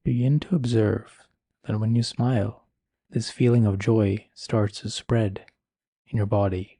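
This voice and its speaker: Low, mellow, husky man guiding meditation. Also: no echo, studio quality. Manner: calm, soothing, unhurried with long pauses. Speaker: meditation guide. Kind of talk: guided meditation, slow scripted instruction.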